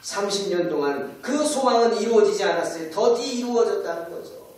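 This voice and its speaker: A man's voice: high-pitched, lively intonation, a little fast, darkish tone. A man pastor preaching a sermon dramatically, often asking the congregation rhetorical questions. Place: church sanctuary. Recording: echoey church hall, mic far off.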